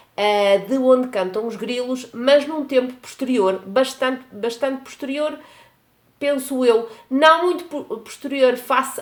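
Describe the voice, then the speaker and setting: Lively intonation marks this woman's high voice. She speaks at a fairly slow pace. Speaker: book youtuber. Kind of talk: book review vlog. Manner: halting, many fillers.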